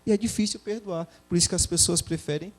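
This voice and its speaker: A man's voice: sits high, quick pace. A man co-hosting a Christian television program, speaking earnestly and exhorting listeners to forgive. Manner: earnest, exhorting, uses examples from family life. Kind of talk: religious talk show discussion.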